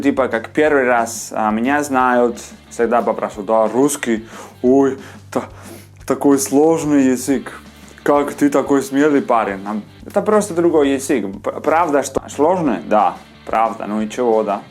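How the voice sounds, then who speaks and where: A young man speaking Russian with a foreign accent, chatting casually to his viewers in a video blog, halting often and restarting words. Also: medium pitch. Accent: foreign, non-native Russian. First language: not Russian. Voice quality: halting, many restarts and fillers. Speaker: vlogger. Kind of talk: casual chat to camera.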